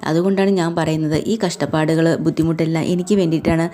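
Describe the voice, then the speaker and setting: An earnest young wife reasons with her husband in a retold TV serial scene, as a woman storyteller voices her. The voice sits low and moves quickly. Its tone stays soft and mellow. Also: fairly even intonation, natural voice.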